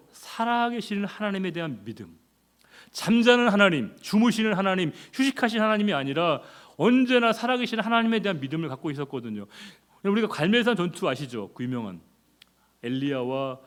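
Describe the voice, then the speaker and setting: A male pastor preaching an expository sermon in a conversational way, asking the congregation rhetorical questions and jumping in pitch and volume for emphasis.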